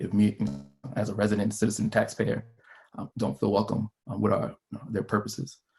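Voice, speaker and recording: At a fairly quick pace, a man with an American accent talks in a somewhat breathy voice at a fairly low pitch. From US South, rural South Central Virginia (Farmville). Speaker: public historian, panelist. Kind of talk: panel discussion, prepared remarks. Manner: hesitant with many fillers.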